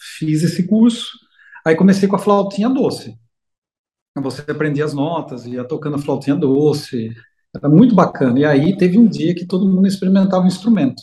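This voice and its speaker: Lively in intonation, a man speaks in a high voice with a dark, mellow tone. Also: moderate pace. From Brazil, Piracicaba (São Paulo state). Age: 40s. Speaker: orchestral violist. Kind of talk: casual interview chat.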